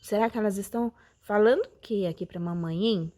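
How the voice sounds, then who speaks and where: A woman's voice: medium pitch, fairly quick, mellow. Sweet coaxing woman teaching children. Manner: sweet, coaxing, asks many questions. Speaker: Sunday school teacher. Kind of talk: children's Bible lesson, talking to the camera. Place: at home.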